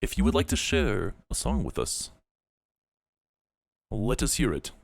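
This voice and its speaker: A man speaks slowly through a frequency shifter that makes him sound robotic. His voice is gravelly and lilting, and he delivers his lines in a playful, mock-formal way. It is casual livestream banter. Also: lowish voice, big pitch swings.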